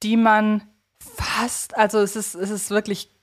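A woman with a medium-pitched voice co-hosts a casual podcast. She analyses things reflectively and articulately, working through her thoughts as she speaks. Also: level tone, a little slow. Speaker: podcast co-host.

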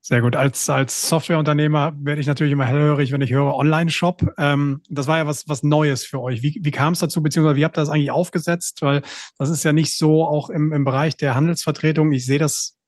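A man's voice: fairly high pitch, fairly even intonation, quick pace, dry recording, clean studio sound. A man hosting a casual conversational interview, putting his questions in several rephrased versions in a row. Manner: asks strings of rephrased questions. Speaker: podcast host, software entrepreneur.

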